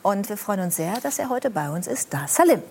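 A woman's voice: mid-range voice, very animated, a little fast, gravelly, heavy background noise. A woman hosting a talk show, introducing her guest and asking him questions in fluent, chatty German.

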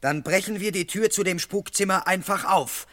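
An actor playing a brisk, self-assured male police constable who questions people officiously and also narrates, in a radio play. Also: sits high, sharp tone. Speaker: narrator and investigator.

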